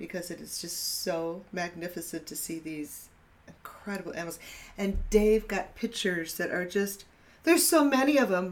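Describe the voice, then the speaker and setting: A woman with an ordinary speaking voice, medium pitch, ordinary pitch variation, moderate pace and big swings in loudness. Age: 60s. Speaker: podcast co-host. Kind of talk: casual chat.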